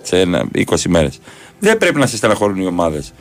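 A man's voice: low-pitched, huge pitch swings. Man hosting sports banter over music. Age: 40s. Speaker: sports radio host. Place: radio studio.

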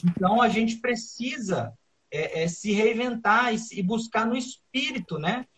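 A man in his thirties, an interview guest telling a personal story in a halting way with many fillers and restarts. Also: high voice, a bit bright, slightly rough, low-quality recording. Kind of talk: conversational storytelling.

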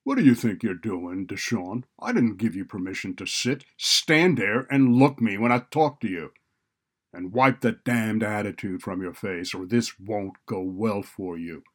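Man acting a blunt, cynical college boss, low-voiced. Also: sing-song, normal speed, darkish tone, breathy edge, full character voice. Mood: stern, threatening. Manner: blunt, sardonic, browbeating. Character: cynical, bullying male college administrator, brusque and threatening.

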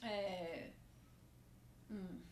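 A woman's voice: mid-range voice, steady tone, very slow. A woman co-hosting a podcast in casual chat, hesitant and searching for words as she thinks aloud. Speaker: podcast co-host. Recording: roomy with faint noise.

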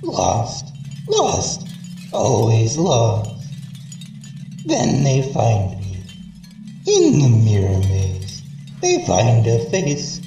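An actor voicing a deranged, childlike and menacing carnival clown, theatrical and singsong, repeating words and breaking into shrill tones. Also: wildly swooping pitch, very slow, long pauses, heavily acted. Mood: eerie singsong. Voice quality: shrill giggles, swooping voice. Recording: echoey, distant, loud music behind.

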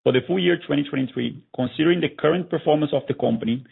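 A man, a finance executive, formally reads prepared earnings remarks from a script, racing along in a gravelly, husky voice that sits a little high. The narrow conference phone line carries his presentation.

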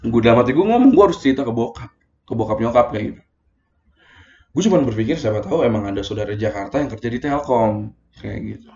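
A man's voice: mid-range voice, expressive, quick pace, a little mellow. Young man telling a personal story. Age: young adult. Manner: slangy, emotional retelling with many fillers. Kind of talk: casual personal monologue. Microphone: phone voice message. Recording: roomy, dull lo-fi voice message.

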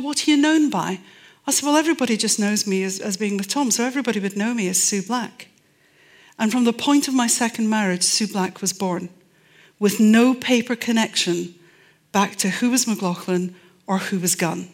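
This Scottish woman is middle-aged and works as a forensic anthropologist. Her mid-range voice moves at a normal speed as she delivers a public talk, spinning stories with dry wit and emphatic delivery.

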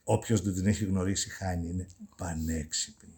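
Middle-aged man, actor guest, mellow low voice, echoes his own phrases. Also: steady tone, slight background noise. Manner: repeats his words for emphasis. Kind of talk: casual interview chat.

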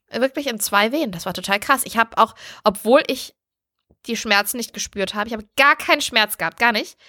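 A woman's voice: a little high, pushed and bright. A young woman telling her own story in casual chat, candid and blunt, swearing freely. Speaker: podcast host.

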